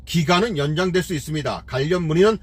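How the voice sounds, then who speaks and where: A middle-aged taxi driver hosting his own channel gives opinionated commentary packed with scolding rhetorical questions and fillers. His voice is fairly high and fast, with a breathy edge.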